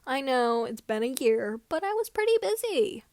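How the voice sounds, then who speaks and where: A woman's voice: sits high, very animated, normal speed, a little mellow, no echo. A woman voicing an earnest, cheeky young male pilot in a fan fiction reading. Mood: chirpy. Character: earnest, bewildered farm boy turned cheeky young pilot.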